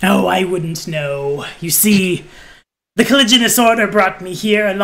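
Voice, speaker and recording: Here a man does a put-on character voice. The pitch he uses is high. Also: moderate pace. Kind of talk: theatrical.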